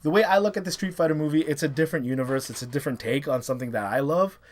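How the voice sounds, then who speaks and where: A man's voice: fairly high pitch, racing. A man hosting a casual movie review vlog, talking enthusiastically and rambling a little. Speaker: host.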